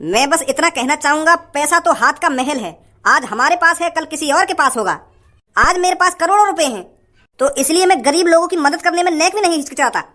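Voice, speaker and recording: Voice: high-pitched, lively intonation, fairly quick, sharp tone. A performer voicing a brash, generous young rich man in a comedy skit, lecturing and boastful.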